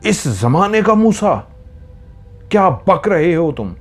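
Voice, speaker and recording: A man's voice: high-pitched, big pitch swings, slow, soft background music, pitched above the performer's own voice, heavily acted. A man voicing a furious supernatural stranger in a white turban who roars accusations. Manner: roaring, shouting accusations.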